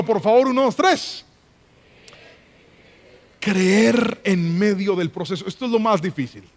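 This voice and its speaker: A preacher with a high voice delivers a sermon to a congregation. He builds repeated lines to emphatic peaks and calls for the crowd to respond. His voice rings out with a long reverb tail from a large church hall. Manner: rising into emphatic, near-shouted refrains; asks the congregation to respond and raise hands.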